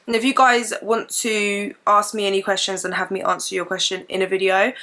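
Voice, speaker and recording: Young woman vlogger, hoarse and croaky, bright forward tone, rambling casual chat at home. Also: mid-range voice, little pitch movement, brisk. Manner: chatty, rambling, lots of fillers. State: hoarse and croaky from a chesty cough. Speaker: beauty and fitness vlogger. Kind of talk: casual chat while doing makeup. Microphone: camera mic, sitting in front of camera.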